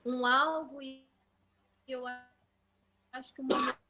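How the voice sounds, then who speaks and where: Woman, high voice, hesitant with fillers, video-call audio stuttering and dropping out, faint background noise. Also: fairly even intonation, measured pace. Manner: hesitant, searching for words with fillers. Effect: choppy video-call audio that breaks up and cuts out. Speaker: study group participant. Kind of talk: online group discussion.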